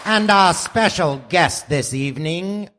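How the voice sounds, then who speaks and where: A man's voice: high-pitched, a little slow, long reverb tail, a loud crowd, heavy background noise. A man playing a grand, proudly promotional announcer of an old-time radio comedy show. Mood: grand, showy. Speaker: announcer and sketch performer. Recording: music behind, live theater.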